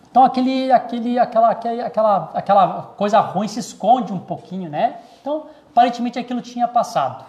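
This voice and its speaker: A man's voice: high-pitched, darkish tone. A man preaching in Portuguese, telling a personal testimony with many restarts and repetitions. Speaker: pastor. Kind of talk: sermon testimony.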